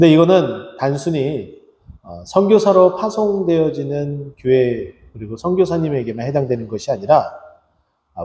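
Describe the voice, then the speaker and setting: A man speaks at a fairly slow pace with a fairly high pitch. His voice is somewhat breathy, with a dark, mellow tone. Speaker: pastor. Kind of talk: sermon. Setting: church. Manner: halting.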